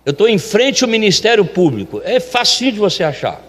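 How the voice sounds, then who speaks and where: A man, a restaurant owner telling a church testimony in an animated way and acting out the dialogue. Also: sits high, fairly quick, long reverb tail.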